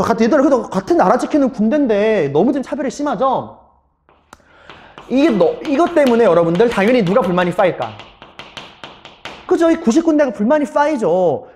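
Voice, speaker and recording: A man's voice: sits high, darkish tone. A male middle school history teacher giving an online lecture, telling the story animatedly and talking straight to his students.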